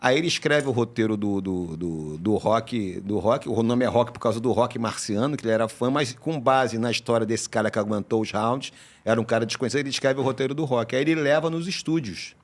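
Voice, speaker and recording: Animated Brazilian man telling stories. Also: mid-range voice, fairly quick. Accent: Brazilian Portuguese. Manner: animated storyteller, acts out quotes with put-on voices. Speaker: podcast host. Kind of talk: casual comedy podcast chat.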